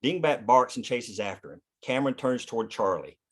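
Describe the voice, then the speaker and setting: A man's voice: mid-range voice, expressive, brisk, fairly bright tone, breathy edge. A man narrating scripted action and scene headings at a screenplay table read. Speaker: narrator reading stage directions.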